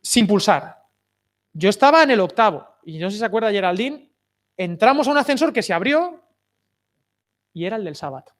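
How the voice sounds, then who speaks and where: A man's voice: sits high, very animated, a little fast, pauses often, a bit bright. A man preaching a sermon, telling anecdotes and putting rhetorical questions to his listeners. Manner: storytelling, asks the audience rhetorical questions. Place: open-air summer cinema.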